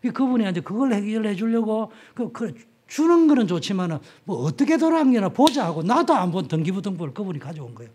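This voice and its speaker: With a high voice, big pitch swings and a quick pace with few pauses, this Gyeongsang-accented pastor delivers a sermon over a faint hiss or hum. The middle-aged South Korean speaks in a frank, conversational way, voicing his stories' characters with abrupt bursts of volume.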